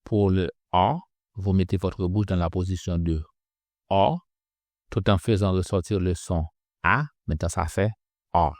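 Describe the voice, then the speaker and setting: A man teaching pronunciation in a slow instructional lesson, drilling sounds by repeating syllables. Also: sits low, fairly even intonation, no room sound, clean studio sound.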